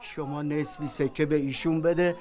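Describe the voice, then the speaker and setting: An actor playing a calm older male stranger with a white beard who settles a quarrel in measured, pious words. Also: a little high, close to an everyday voice. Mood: mediating. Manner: measured, soothing, pious phrasing.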